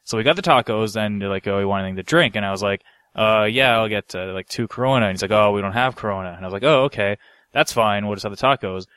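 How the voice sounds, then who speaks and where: A man's voice: fairly low pitch, quick pace, fairly bright tone, clean tone, no echo. A man co-hosting a podcast, telling anecdotes in a casual, slangy, rambling way with some swearing. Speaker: podcast co-host.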